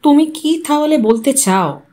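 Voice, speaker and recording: A woman's voice: high-pitched, expressive, unhurried, warm tone. A woman storyteller voicing a poor, proud husband in an audio story, speaking in a stern, hurt, accusatory manner. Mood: wounded anger. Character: Paresh, poor proud husband, wounded and indignant man.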